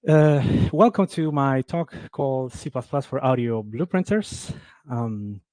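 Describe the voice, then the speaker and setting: A man's voice: medium pitch, animated, a little slow, darkish tone, no echo. A man from Ecuador giving a conference talk on game audio, speaking with many fillers and restarts.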